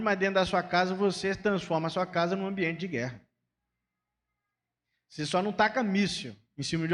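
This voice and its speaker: A male pastor with a Brazilian Portuguese accent delivers a conversational sermon with a fairly high voice. He acts out little everyday exchanges as he preaches. His voice rings with the long reverb of a church hall. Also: a bit bright. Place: church sanctuary.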